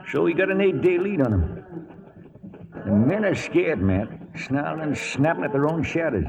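Folksy old American cowhand, muffled. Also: male voice, medium pitch, vocal fry. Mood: uneasy. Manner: rustic drawling, ungrammatical Western speech. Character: folksy old cowhand narrating a cattle drive. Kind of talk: 1940s radio western acting and narration. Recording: muffled vintage radio recording with music.

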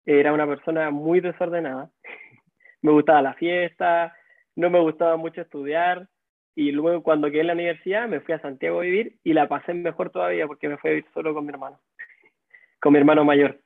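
A man's voice: a little high, fairly even intonation, a little fast, vocal fry, no room sound. A dentist from Chile with a Chilean accent, a man telling his story in a laid-back, chuckling way over a video call. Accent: Chilean Spanish. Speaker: dentist guest. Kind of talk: casual interview storytelling. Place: home or office in a high-rise, indoors. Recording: dry, tinny phone-like call audio.

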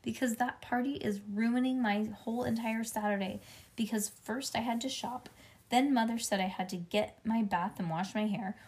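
Storybook little girl, performed by a woman: stubborn, whiny, excitable, indignant, with childish grammar. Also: a little high, moderate pace, natural voice.

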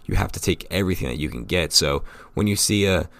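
Man, podcast host, very low voice, gravelly, raspy from a cold, rambling casual talk. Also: animated, quick pace, a bit bright, no echo. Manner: casual, rambling, filler-heavy fan opinions. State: getting over a cold, slightly raspy. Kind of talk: solo sports podcast talk.

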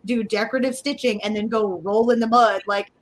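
A woman's voice: on the high side, steady tone, fairly quick. A woman with a slight Ohio River Valley accent, rambling and amused in podcast chat.

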